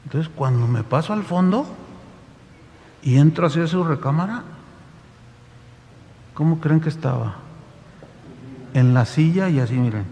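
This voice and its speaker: A man's voice: on the high side, animated, a little slow, pauses often, mellow, long reverb tail, a little hiss or hum. A man, a pastor telling a story in his sermon and animatedly addressing the congregation directly.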